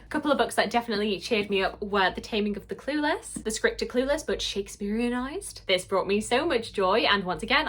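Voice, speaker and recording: A woman in her mid twenties giving a casual, chatty book review, expressive and emphatic in how she talks. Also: mid-range voice. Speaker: book vlogger.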